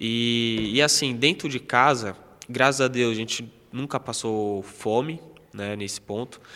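The delivery is fairly slow, with a bright, sharp tone and fairly even intonation. The recording is very clean, with a silent background. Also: man, medium pitch for a man. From São Paulo, West Zone favela. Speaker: financial educator, content creator. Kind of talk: casual interview.

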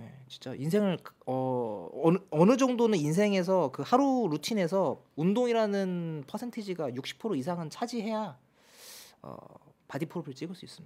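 A man speaks at a high pitch in a dark, mellow tone. His pitch swings very widely, and his loudness rises and falls in big swings. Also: moderate pace, very clean recording, silent background. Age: 30s. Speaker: fitness YouTuber. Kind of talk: casual chat.

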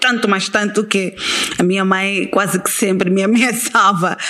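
A woman with a Mozambican accent speaks at a fairly slow pace in a medium pitch, with noticeable background noise. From Mozambique, Maputo. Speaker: radio host and TV presenter. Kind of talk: interview.

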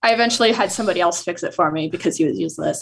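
A woman with an American accent talks at a very fast pace. The recording is very clean, with a silent background. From Iowa. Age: 20s. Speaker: photographer. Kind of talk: casual chat.

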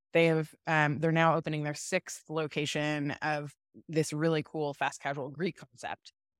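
A woman speaks in a very deep, low voice with a flat, monotone delivery, recorded very cleanly against a silent background with a dry, close sound and no echo. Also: moderate pace. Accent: American. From Florida, Orlando. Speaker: wine company founder, entrepreneur. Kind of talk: interview.

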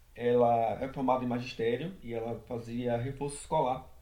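At a fairly slow pace, a man of medium pitch talks amid audible room echo. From Recôncavo, Bahia, Brazil. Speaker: medical student and activist. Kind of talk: interview. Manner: halting, many fillers.

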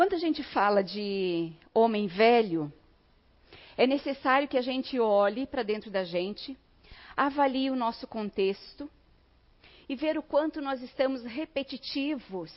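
This woman has a high voice and lively intonation. She talks fairly slowly, with long, frequent pauses. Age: 50s. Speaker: spiritist lecturer. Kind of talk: spiritual lecture. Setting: hall with live audience, also streamed online.

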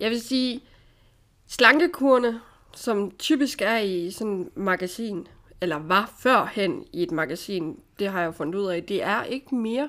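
On a very clean recording with a silent background, a woman speaks at a fairly slow pace with a fairly high pitch and very wide pitch swings. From Southern Jutland, Denmark (Sønderborg area). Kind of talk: casual chat.

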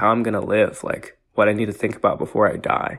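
The speaker talks at a fairly quick pace. It is an unremarkable speaking voice with fairly even intonation. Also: man. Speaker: college student guest. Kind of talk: casual chat.

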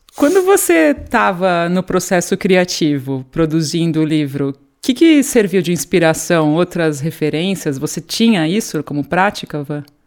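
A woman's unremarkable speaking voice, fairly low in pitch, with lively intonation, a fairly slow pace and hardly any pauses, on a very clean recording with a silent background. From Campinas, São Paulo, Brazil. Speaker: podcast host. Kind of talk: casual interview chat.

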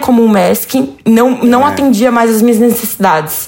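The woman's voice sits at a high pitch with fairly even intonation. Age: 30s. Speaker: psychiatrist and artist. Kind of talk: casual chat.

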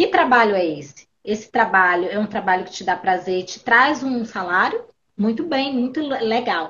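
Fairly high in pitch, this woman's voice is heard. It is a normal speaking voice. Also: lively intonation, moderate pace. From Belém do Pará, northern Brazil. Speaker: occupational therapist and course lecturer. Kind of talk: casual interview.

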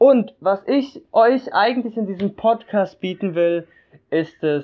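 His intonation rises and falls in a lively way. The man speaks at a very slow pace. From Berlin. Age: 20s. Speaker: podcaster and YouTuber. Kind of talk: casual podcast intro. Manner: animated.

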